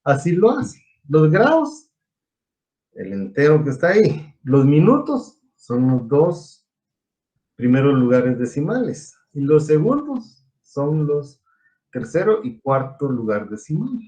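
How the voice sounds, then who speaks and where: Man, engineering teacher, explanatory, quizzes students, slightly high voice. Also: sing-song, slow pace, dark tone, muffled recording. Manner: explanatory, asks students questions. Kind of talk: online class lecture.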